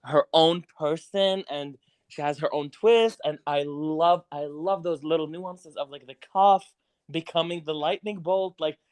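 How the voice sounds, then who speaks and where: A man co-hosting a podcast chimes in with eager agreement and praise. His voice sits a bit higher than most men's. His delivery is casual and warm with enthusiasm. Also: unhurried, clear, resonant tone. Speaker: podcast co-host.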